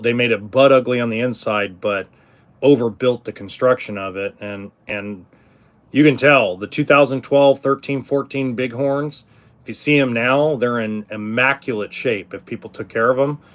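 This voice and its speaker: A middle-aged man with a medium-pitched voice, talking at normal speed, hosts a casual RV livestream. He answers viewers in a rambling way, full of ums and restarts, and curses bluntly.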